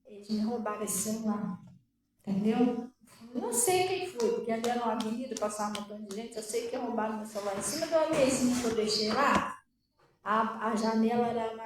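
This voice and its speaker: A woman pastor with a Brazilian Portuguese accent giving her testimony as a sermon, conversational and animated, often asking the congregation questions. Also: on the high side. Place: church hall. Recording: echoey room, voice far from mic.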